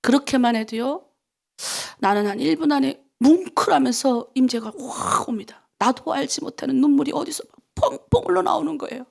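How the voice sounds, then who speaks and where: A middle-aged woman pastor from North Korea leads an early-morning prayer sermon. Her voice sits high with a gravelly, fried edge. She preaches fervently, sinking into hushed whispers and rising into pleading cries. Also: lively intonation, a little fast.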